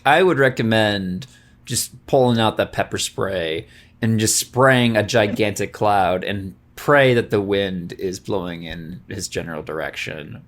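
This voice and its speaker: A man's voice: lowish voice, a bit bright. A man co-hosting a casual podcast, wry and joking, laughing often. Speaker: podcast co-host.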